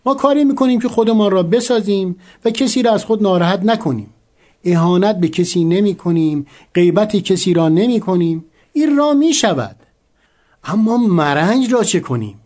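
Earnest cleric, radio drama, high lively voice, questioning. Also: male voice. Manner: questioning, reasoning aloud. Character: earnest male cleric seeking moral advice.

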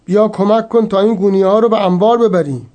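An actor playing a brusque older male warehouse boss in a radio drama, talking quick and loud. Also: high-pitched, close to an everyday voice. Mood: bossy.

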